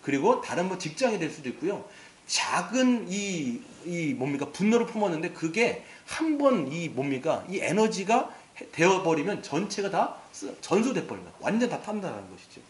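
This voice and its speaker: A man's voice: high-pitched, sing-song, moderate pace. A male pastor preaching a sermon with emphasis, putting rhetorical questions to his congregation. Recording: roomy echo.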